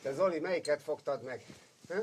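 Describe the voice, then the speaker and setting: A man helping an electrician, swearing crudely and scolding his coworker. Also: a little high. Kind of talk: amateur workplace banter. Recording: noisy amateur video recording.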